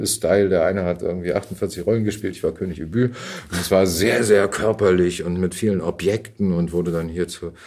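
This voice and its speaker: Guy in his 50s, really low slightly rough husky voice, chatting thru his memories in an interview, kinda halting. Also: a little mellow. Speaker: actor and podcast guest. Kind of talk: casual interview storytelling.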